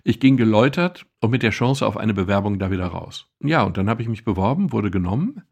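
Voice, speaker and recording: Man around sixty, low voice, gravelly, self-ironic podcast storyteller. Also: lively intonation, fast talker. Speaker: podcast co-host, physician. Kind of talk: casual podcast conversation.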